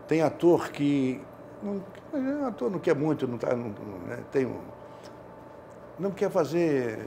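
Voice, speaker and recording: Casting: man in his 70s, Rio accent, gravelly and mellow, casual storyteller in an interview. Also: a little high, slight background noise. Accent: Brazilian, Rio de Janeiro. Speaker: interview guest, theatre director. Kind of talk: casual anecdotal interview talk. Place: indoor studio, seated. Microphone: lapel.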